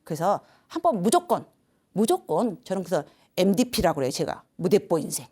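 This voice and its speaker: Animated woman lecturer. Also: lowish voice, fairly quick, breathy edge. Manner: animated storyteller, acts out quoted dialogue with big swings in volume. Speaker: lecturer for seniors. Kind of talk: lively motivational lecture with anecdote. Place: lecture hall.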